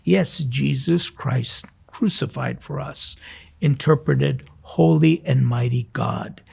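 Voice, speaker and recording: A man's voice: mid-range voice, slow pace, creaky, a little mellow, slightly rough. A man speaking as a priest and programme host, giving an informal sermon in a conversational way with direct questions to his listeners. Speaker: priest hosting a weekly devotional programme. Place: recorded in a cathedral choir loft.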